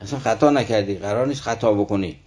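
A man giving a spiritual lecture on verses, reciting lines slowly and then explaining them earnestly to his listeners. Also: fairly low pitch, a little mellow. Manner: earnest, speaks straight to the listeners. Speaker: lecturer on Rumi's poetry.

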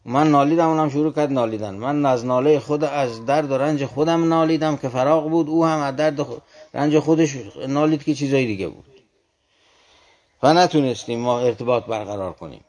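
A man in a conversation, explaining poetry in a measured, formal way and reciting verse lines slowly. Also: mid-range voice, darkish tone. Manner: polite formal address. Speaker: guest explaining classical poetry.

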